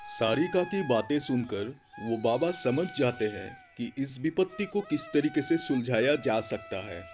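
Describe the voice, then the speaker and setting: A man's voice: medium pitch, very animated, a little slow, music in the background. A man narrating a scripted children's story in a dramatic storytelling manner.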